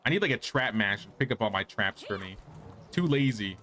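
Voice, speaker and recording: A man's voice: fairly low pitch, lively intonation, fairly quick, pushed and bright, soft background music. A man streaming a game, giving casual live commentary with dry, wry asides.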